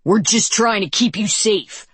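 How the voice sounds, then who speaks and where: A woman's voice: mid-range voice, a little slow, fairly bright tone, husky, dry recording, voice pushed up. Woman playing a blunt, indifferent male guard. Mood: dismissive. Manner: blunt, dismissive. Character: male border soldier, gruff and indifferent.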